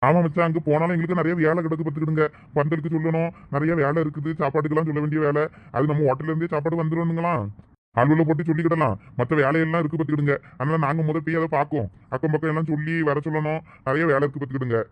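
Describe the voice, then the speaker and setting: Rapid-talking man with Thoothukudi Tamil accent. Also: fairly high pitch, level tone, dry recording. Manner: bossy, scolding husband talk. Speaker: village comedy skit actor. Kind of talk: village comedy skit dialogue.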